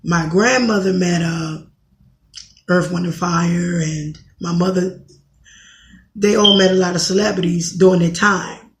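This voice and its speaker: Raspy, gravelly-voiced woman in her thirties. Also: fairly low pitch, steady tone, measured pace, reverberant, background noise. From Washington, D.C. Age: 30s. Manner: blunt, rambling, self-correcting. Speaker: podcast host. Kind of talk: casual monologue commentary.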